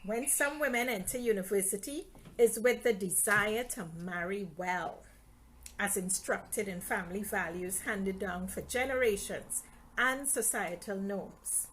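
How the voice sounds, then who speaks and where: A woman's voice: mid-range voice, measured pace, fairly bright tone, a little hiss or hum, rough recording. A middle-aged woman from Trinidad and Tobago, an author chatting on a live stream about her books and reading her novel's introduction aloud. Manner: friendly, chatty, reads aloud from her book.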